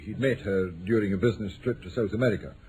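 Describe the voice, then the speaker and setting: An actor playing a bluff, middle-aged gentleman client in a vintage radio drama, speaking earnestly, haltingly and uneasily. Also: fairly low pitch, lightly acted. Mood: troubled, earnest. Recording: noisy old radio drama recording.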